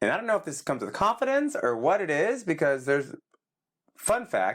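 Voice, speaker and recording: A man speaks at a fairly quick pace with vocal fry and an animated tone. The recording is very clean, with a silent background. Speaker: podcast co-host. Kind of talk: casual chat.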